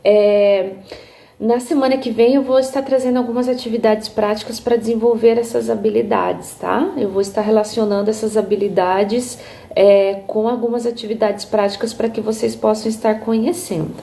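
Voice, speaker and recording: A woman's voice: fairly high pitch, steady tone, normal speed, creaky, dark tone. A woman music therapist with a Brazilian accent, giving a live online lecture over a phone stream in an explanatory way, tagging her sentences with little checks. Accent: Brazilian Portuguese. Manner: demonstrates intonations with her voice. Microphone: phone livestream.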